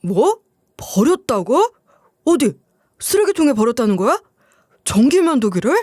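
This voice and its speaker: A woman's voice: fairly high pitch, very animated, measured pace, a little mellow, breathy edge, no room sound, studio quality, exaggerated voice. A woman voicing an irritated husband who runs an appliance store, asking scolding questions. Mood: exasperated.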